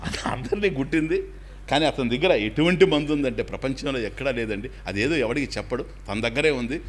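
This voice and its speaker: A man, a swami, giving a spiritual discourse in an animated storytelling manner, now and then dropping in English phrases. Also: mid-range voice, fairly quick. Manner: animated, acts out anecdotes, drops English phrases.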